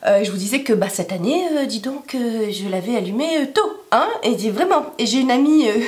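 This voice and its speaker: A woman with a hoarse smoker's rasp being sick, chatting casually to camera in a rambling, self-deprecating way full of asides. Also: a little high, lively intonation, fairly quick, a little mellow. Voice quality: raspy smoker's rasp from illness. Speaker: YouTube vlogger.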